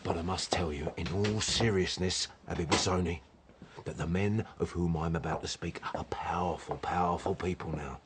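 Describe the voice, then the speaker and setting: An actor playing a shifty innkeeper who tells an old story in a hushed, conspiratorial voice, in a radio drama. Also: male voice, deep voice, fairly even intonation, normal speed, background noise, lightly acted.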